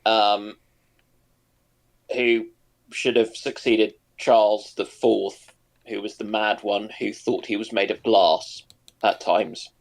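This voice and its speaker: A man's voice: fairly low pitch, flat delivery, slow, vocal fry, low-quality recording. A man chatting as a panelist, musing aloud in a hesitant, discursive way. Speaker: panelist on a history live stream. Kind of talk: casual discussion.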